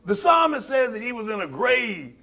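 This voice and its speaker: Male preacher, Southern African American accent, high voice with a creaky rasp, folksy and emphatic sermon delivery. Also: big pitch swings, moderate pace, pushed and bright. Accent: Southern African American English. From Mississippi, US. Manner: folksy, emphatic, repeats phrases for effect. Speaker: pastor preaching to a congregation. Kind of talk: sermon with call and response.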